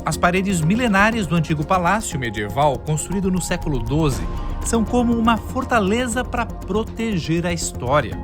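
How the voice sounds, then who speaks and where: A man with a Brazilian Portuguese accent reading a scripted news report as a reporter, in a measured, formal way. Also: high-pitched. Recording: voice-over with music bed.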